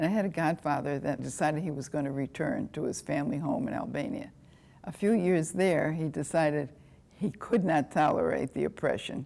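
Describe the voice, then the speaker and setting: Her very deep, low pitch and dark, mellow tone carry some vocal fry as a woman speaks. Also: ordinary pitch variation, fairly quick pace. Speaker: city councilor. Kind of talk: interview.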